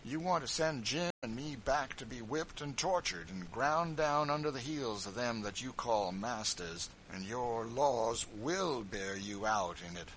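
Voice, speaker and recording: A man reading an audiobook, voicing a defiant, resolute escaped man who speaks calmly, clearly and forcefully. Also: sits low, a little hiss or hum, poor audio. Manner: calm, clear, measured and forceful.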